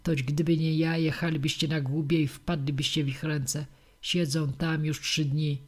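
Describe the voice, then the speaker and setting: A frightened old witch woman, as a female reader puts her on, evasive and secretive, dropping to whispers and then rising shrilly. It is a storybook voice, hushed and wary. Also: deep voice, flat delivery, normal speed, slightly rough. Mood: urgent.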